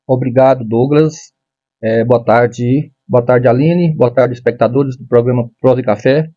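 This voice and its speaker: Speaking in a steady, mid-range voice, a Brazilian man in his fifties who retired as a military police major answers as a guest in a conversational interview. His manner is formal and measured, with frequent restarts, and the muffled recording has no room sound.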